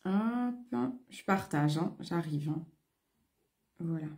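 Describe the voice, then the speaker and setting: A woman's voice: low-pitched, expressive, slow pace, darkish tone. A French woman hosting a casual live stream as a beauty consultant, chatty and greeting viewers by name, with a throat congested from a coming cold. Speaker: beauty consultant selling online.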